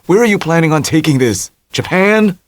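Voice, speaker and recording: A man's voice: fairly high pitch, expressive, normal speed, slight background noise, voice pushed up, natural voice. A man voicing a cautious young man who sounds worried and exasperated.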